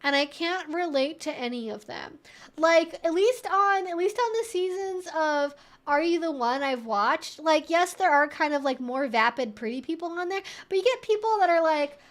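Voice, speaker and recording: Female streamer, high voice, informal and rambling, casual Q&A chat delivery. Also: lively intonation, moderate pace. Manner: rambling, informal, frequent "like" and swearing. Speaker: livestream host.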